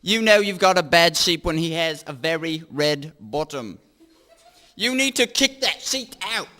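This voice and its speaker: A man playing a slow, deadpan male sheep farmer, pushing his voice comically low. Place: studio.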